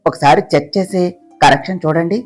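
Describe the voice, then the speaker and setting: A woman's voice: deep voice, fairly quick, darkish tone, faint music behind, voice pushed down. A woman doing a cheeky young assistant. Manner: teasing, talks back. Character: cheeky young female office assistant, teasing and bold.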